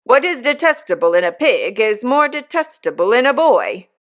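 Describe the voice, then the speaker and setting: A woman's voice: on the high side, big pitch swings, moderate pace, pitched above the performer's own voice. A woman voicing a pompous, preachy male church clerk who speaks in a sermonizing, self-important way.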